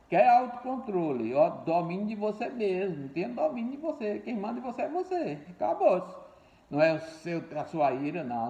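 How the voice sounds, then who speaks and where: An older man preaches to his congregation, repeating key words and calling them brothers. His voice sits a little high but sounds mellow and dark. The recording is roomy and dull, like lo-fi audio from an echoing church. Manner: repeats key words, addresses listeners as dear ones and brothers. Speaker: pastor. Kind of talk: sermon. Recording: echoey room, dull lo-fi sound.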